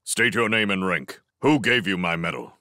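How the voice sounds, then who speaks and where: A man voicing a huge, hungry male owl captain in a storybook reading, with a flat, hard, rasping voice. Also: low voice, normal speed, dry recording, studio quality. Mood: snapping.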